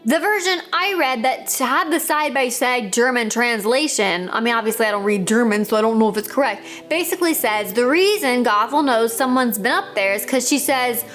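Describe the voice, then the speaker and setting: A woman's voice: a little high, animated, brisk, hardly any pauses, fairly bright tone, soft background music. A woman hosting a storytelling video, chatting casually and animatedly as she retells a fairytale and acts out bits of dialogue.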